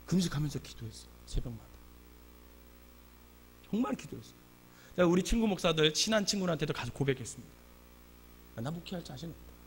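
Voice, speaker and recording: A male pastor preaching a sermon, telling a personal story with sudden loud bursts and quiet asides. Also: fairly high pitch, a little hiss or hum.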